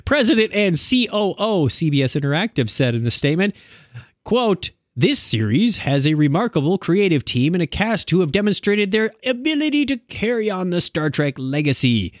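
A man co-hosting a casual chat show, his voice a touch high and swinging widely in pitch as he jokes and laughs between news items. He sounds close and dry, with no room around him. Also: normal speed, no room sound. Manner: animated, laughs often, playful delivery. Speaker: podcast co-host reading news.

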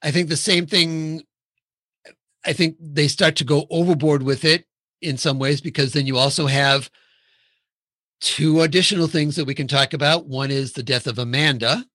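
A man with a fairly high, bright, forceful voice leads a relaxed film discussion. He steers between topics and thinks out loud, often restarting his sentences. The recording is dry and close. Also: normal speed, no echo.

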